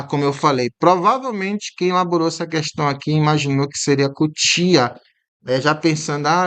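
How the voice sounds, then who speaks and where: A man's voice: a little high, fairly bright tone. Chatty male teacher sounding out words. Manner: chatty, emphatic, repeats words slowly to show pronunciation; frequent tag questions to the viewer. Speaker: Portuguese exam-prep teacher. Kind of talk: commented exam lesson.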